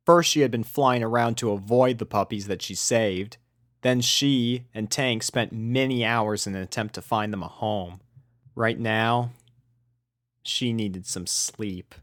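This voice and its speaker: Slow, gentle male storybook reader. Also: lowish voice, dry recording, studio quality. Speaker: fanfiction reader. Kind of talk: storybook narration.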